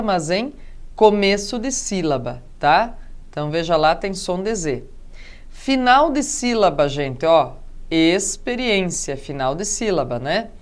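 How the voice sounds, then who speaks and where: A woman teacher with a Brazilian Portuguese accent, giving a video lesson and explaining step by step, often checking with her students and drawing out example words. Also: fairly low pitch. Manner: explanatory, frequent tag questions; drawn-out emphasis on example words.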